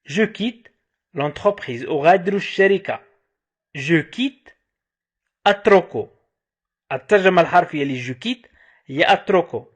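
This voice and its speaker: A man teaching a language lesson, saying each phrase slowly over and over, then quickly glossing its meaning. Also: high-pitched, expressive, slightly rough. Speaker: French teacher. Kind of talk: slow repetition drill with translations.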